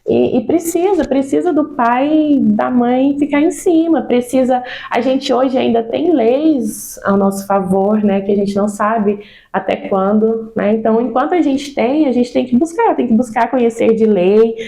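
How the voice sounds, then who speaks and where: A Brazilian woman chats in a casual interview about children's ministry, earnest and insistent, repeating words and often ending with "né" in her Brazilian Portuguese accent. Her fairly high voice is gravelly and warm, at a normal speed.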